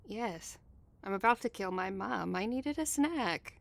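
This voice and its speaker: A woman's voice: mid-range voice, expressive, unhurried, gravelly. A woman playing a haughty, bloodthirsty vampire daughter in an audio drama, sardonic and formal. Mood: haughty amusement.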